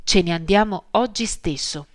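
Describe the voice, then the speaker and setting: A woman's voice: mid-range voice, moderate pace, no echo, studio quality, close to an everyday voice. A woman reading the lines of a stern, proud mother in an audiobook, speaking coldly and resolutely. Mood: furious. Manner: hissing, cold and resolute.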